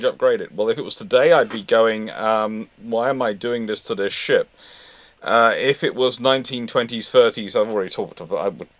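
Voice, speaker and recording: A man answering history questions live in an informal way, thinking aloud in a halting, discursive manner. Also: mid-range voice, fairly bright tone, dry recording.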